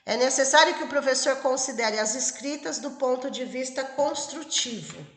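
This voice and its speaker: A woman's voice: high voice, lively intonation, normal speed, fairly bright tone. A Brazilian woman teacher giving an exam-prep lecture, explaining step by step and checking in with the class. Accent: Brazilian Portuguese. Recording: echoey room with long reverb.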